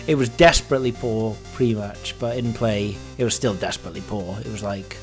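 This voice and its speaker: Hosting a casual, unscripted podcast from his home office, a man rambles in a monologue, interrupting himself and swearing mildly. His voice is lowish and fairly quick. A fan runs nearby and a television is on, so his voice sits over fan noise and faint music.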